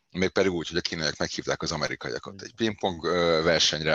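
The tone is bright and sharp, with vocal fry. The sound is dry and close, with no echo. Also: man. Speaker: diplomat and former water polo player. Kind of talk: interview.

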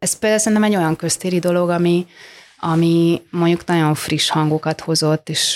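A woman's very deep, low pitch at a moderate pace, dry and close with no echo. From Budapest, Hungary. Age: 40s. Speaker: art historian and curator. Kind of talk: casual interview chat. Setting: studio. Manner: halting, many repeated words.

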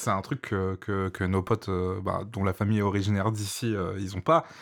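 On a very clean recording with a silent background, a man with a fairly low pitch and ordinary pitch variation speaks at a moderate pace with hardly any pauses. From Mauritius. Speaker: podcast host. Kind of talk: casual chat. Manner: relaxed.

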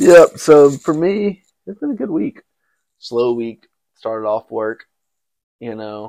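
Speaking at a very slow pace with a Southern US accent, a man with a medium pitch uses very wide pitch swings and big shifts in loudness, his dark, mellow tone recorded dry and close with no echo. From Mississippi. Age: 20s. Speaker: podcast co-host. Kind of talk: casual chat. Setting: outdoor covered porch. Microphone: new microphone.

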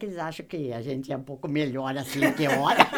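Someone talks fairly quickly while noticeable background noise carries on behind. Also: woman. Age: 80s+. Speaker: grandmother and evangelist. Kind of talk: casual chat.

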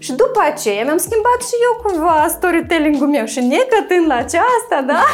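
A woman speaks at an extremely high pitch with very wide pitch swings and a moderate pace, with hardly any pauses. Noticeable background noise can be heard. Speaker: urban anthropologist and tour guide. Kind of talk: casual interview.

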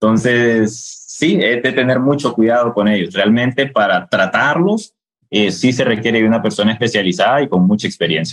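A man with a Honduran accent, medium-pitched, at a moderate pace, with very even loudness and ordinary pitch variation. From Honduras, La Ceiba. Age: 20s. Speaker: psychologist. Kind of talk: interview about psychology.

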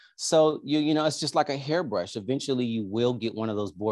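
This man has an unremarkable speaking voice with ordinary pitch variation. He talks at a fairly quick pace against a quiet background. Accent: American. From Oakland, California. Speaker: dental hygienist and company founder. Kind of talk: interview.

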